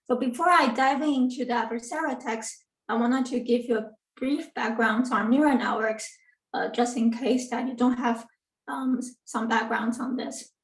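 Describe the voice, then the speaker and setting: A woman's voice: a little high, moderate pace. A woman in her thirties from Taiwan, giving an academic talk on a video call, earnest and full of ums and self-corrections. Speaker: guest lecturer, assistant professor. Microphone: video call computer mic. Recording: roomy, distant from the mic.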